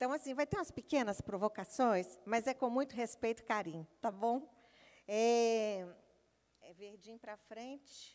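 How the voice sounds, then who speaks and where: A woman with a normal speaking voice and fairly high pitch talks at a fairly slow pace, with ordinary pitch variation and big swings in loudness. The recording is very clean and the background silent. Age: 60s. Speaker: sociologist and activist. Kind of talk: conference panel talk.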